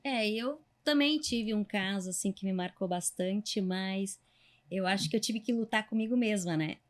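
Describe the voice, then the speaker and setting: A woman lawyer who tells a case story in measured, hesitant phrases and keeps checking in with "né?". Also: medium pitch. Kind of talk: conversational storytelling.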